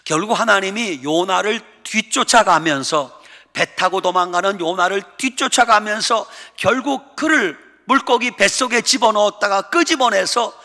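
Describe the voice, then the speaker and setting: A male pastor preaching a sermon with animated delivery, acting out biblical voices. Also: sits high, gravelly, long reverb tail.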